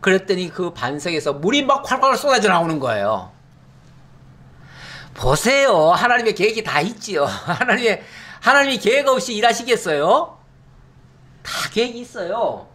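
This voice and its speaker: A middle-aged man preaching a Bible lesson, his fairly high voice rising and falling in lively swings. He keeps it conversational, tossing out rhetorical questions and answering himself with a quick "yes". He sounds like a pastor explaining scripture to his congregation. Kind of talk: Bible teaching sermon.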